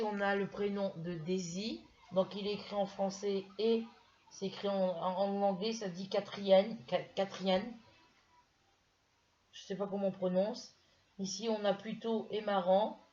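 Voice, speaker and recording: A woman's voice: mid-range voice, darkish tone, muffled recording. A middle-aged woman from France chatting casually in a haul video, hesitant and full of restarts as she shows a purchase. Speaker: craft vlogger.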